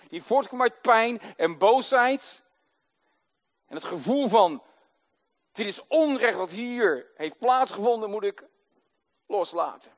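High-voiced man preaching a sermon. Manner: swings from soft, hushed passages to loud emphatic preaching. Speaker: pastor.

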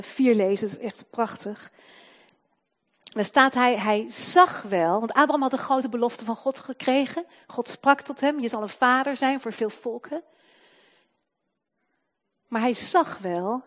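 A woman preaching a sermon to her congregation, swinging between loud proclamation and soft, slowed emphasis. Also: on the high side.

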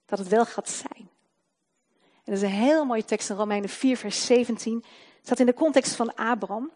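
A woman preaching a sermon to her congregation, swinging between loud proclamation and soft, slowed emphasis. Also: fairly high pitch.

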